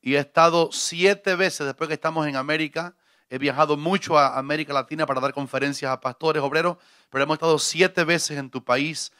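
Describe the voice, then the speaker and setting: Middle-aged pastor, bright crisp preaching voice, warm jokes with the flock, close dry mic. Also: male voice, on the high side, steady tone, a little fast, no echo. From Cuba. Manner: jovial, preacherly, joking with congregation. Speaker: visiting pastor. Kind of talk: sermon. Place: church. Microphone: handheld mic.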